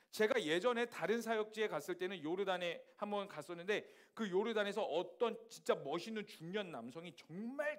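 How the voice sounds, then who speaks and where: A young man preaching a sermon to a youth congregation, lively and acting out the people he quotes. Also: sits high. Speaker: youth pastor.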